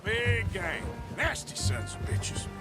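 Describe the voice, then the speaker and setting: An actor playing a weary, plain-spoken Western outlaw in a video game, with a folksy, rough-spoken American drawl. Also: male voice, high-pitched, very animated, slow, exaggerated voice. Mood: matter-of-fact. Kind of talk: video game character dialogue. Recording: loud music behind the voice. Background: loud game music.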